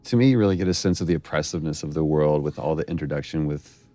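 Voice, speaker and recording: A man recording casual commentary on a game's cutscenes, relaxed and reflective, laughing easily. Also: extremely low pitch, quick pace, soft background music. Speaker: actor on developer commentary.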